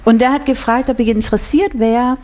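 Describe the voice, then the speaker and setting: A woman's voice: fairly high pitch, fairly even intonation, brisk, a little mellow. A woman with a Danish accent, speaking German as a guest and laughing often in a casual interview. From Denmark. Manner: laughs often, chatty and self-mocking. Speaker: guest, singer.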